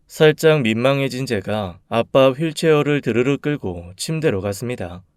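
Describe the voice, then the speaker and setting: Man reading a sad family story, calm and measured, smooth clear voice, dry close mic. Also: medium pitch, no room sound. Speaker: story narrator. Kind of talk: scripted storytelling narration.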